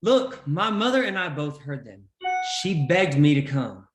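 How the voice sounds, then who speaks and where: A man's voice: on the high side, sing-song, a little slow, roomy sound, soft background music. A man acting a beaten, jailed man who pleads insistently, in a table read of a period Western drama. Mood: urgent.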